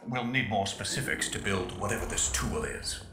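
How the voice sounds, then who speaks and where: An actor playing a gruff, practical tech expert in a video game, with a terse, animated delivery. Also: male voice, fairly low pitch, moderate pace, close to an everyday voice. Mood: wary. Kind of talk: scripted video game dialogue. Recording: echoey, music behind the voice.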